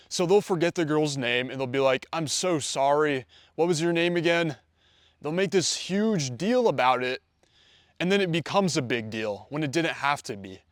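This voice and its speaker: A man's voice: mid-range voice, no echo, studio quality. A man giving dating advice straight to camera in a confident, conversational way. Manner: confident, conversational, acts out quoted dialogue. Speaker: dating coach. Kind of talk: direct-to-camera coaching video.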